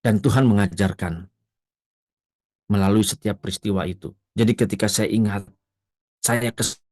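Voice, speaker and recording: A male pastor preaching a sermon, moving from quiet, low storytelling to loud, emphatic peaks. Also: fairly even intonation, normal speed, dry recording, clean studio sound.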